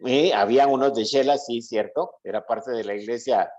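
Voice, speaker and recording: A man's voice: mid-range voice, moderate pace, a little mellow. Man teaching the Bible, muffled audio. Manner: didactic, often checks understanding with short questions. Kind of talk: interactive Bible lesson to a congregation.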